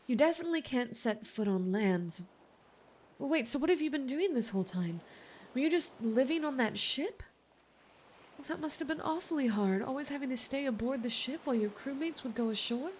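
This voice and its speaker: A woman voicing a kind, worried mermaid in an ASMR roleplay, speaking in a gentle, earnest, slightly hesitant way. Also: high-pitched, expressive, brisk, a little hiss or hum. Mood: taken aback. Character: kind, worried female mermaid rescuing a shipwrecked sailor.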